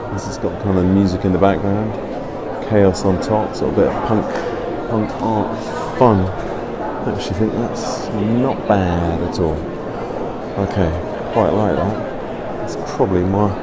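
A man at a moderate pace with long, frequent pauses, crowd noise in the background. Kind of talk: casual walking commentary. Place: hall. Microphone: phone near.

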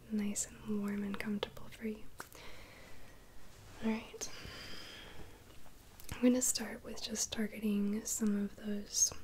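A soft-spoken woman talks very slowly in a monotone, flat way, with long, frequent pauses. Light background noise sits behind her. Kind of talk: soft-spoken roleplay. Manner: soft, hushed ASMR roleplay voice. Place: home room.

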